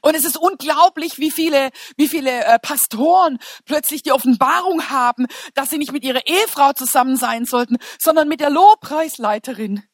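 High-voiced woman preaching informally. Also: moderate pace, hardly any pauses, no echo, clean studio sound. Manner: animated, colloquial storytelling with dramatized asides. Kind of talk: informal, humorous sermon with anecdotes.

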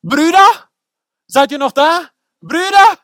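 A man's voice: extremely high pitch, fairly quick, a bit bright, no echo, clean studio sound, voice pushed up. A man voicing young Joseph, who pleads and apologizes to his brothers as he calls up to them. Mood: pleading.

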